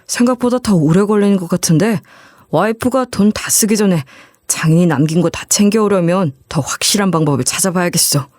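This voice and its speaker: A woman's voice: lowish voice, fairly quick, a little mellow, dry recording, clean studio sound, close to an everyday voice. A woman voicing a cold, scheming husband who talks curtly and blusters. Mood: plotting.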